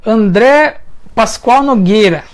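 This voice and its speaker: A woman's voice: on the high side, expressive, takes it slowly. A woman from Brazil with a Brazilian Portuguese accent, hosting a casual live chat, reading viewer questions and answering them while thinking aloud with frequent hesitations. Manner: addresses viewers directly, friendly and informal.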